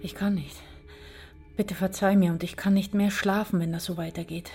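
A woman's voice: medium pitch, level tone, moderate pace, a little mellow, natural voice. An actress playing an anguished, sleepless woman in a radio drama, pleading in a faltering way. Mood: exhausted, pleading. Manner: faltering, imploring.

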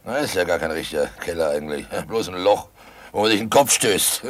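An actor playing a guilt-ridden, wily village innkeeper, nervous and falsely jovial, in a radio play, with a gravelly, husky voice. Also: male voice, deep voice, animated, a little fast. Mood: forced joviality. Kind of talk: German radio play acting.

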